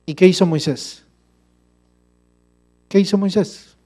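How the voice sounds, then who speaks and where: A man's voice: high-pitched, slow pace, mellow. A male pastor preaching a sermon, emphatic and full of rhetorical questions to the congregation.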